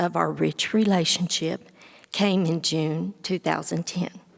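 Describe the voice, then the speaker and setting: A woman speaks at a fairly slow pace in a fairly low voice with vocal fry. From New Mexico, Roswell. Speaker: storyteller. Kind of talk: reading aloud. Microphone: technical audio problems in video.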